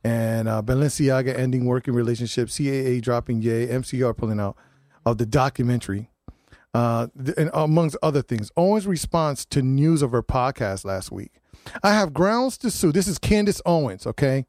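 A man's voice: medium pitch, normal speed, dry recording. Man, radio host, casual banter, laughs a lot, dry studio sound. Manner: animated, joking, laughs often, restarts.

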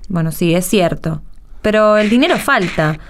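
An actress playing an assertive bookkeeper of a small cooperative in a radio play, with a Rioplatense accent. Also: female voice, fairly low pitch, lively intonation, moderate pace, slight background noise. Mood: annoyed, firm. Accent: Rioplatense Spanish. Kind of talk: radio play acting, conversational.

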